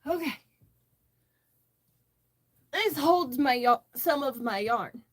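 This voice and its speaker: Chatting on a relaxed livestream and answering viewers' comments along the way, this crocheter from western Massachusetts speaks in a high-pitched, animated voice. She takes things slowly.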